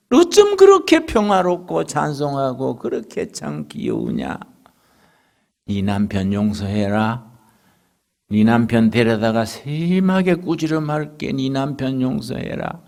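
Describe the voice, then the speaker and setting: A man's voice: mid-range voice, steady tone, a little slow, a little mellow, natural voice. A preacher voicing a doting old mother-in-law. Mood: fond. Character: doting elderly mother-in-law praising her daughter-in-law.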